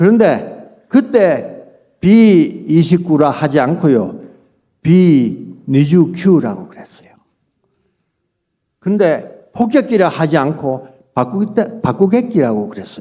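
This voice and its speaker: A man speaks at a very slow pace in a high pitch with a dark, mellow tone, his voice swinging very widely in pitch and sharply in loudness, with long, frequent pauses and audible room echo. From South Korea, Daegu. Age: 80s+. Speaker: church elder. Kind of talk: sermon. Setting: church.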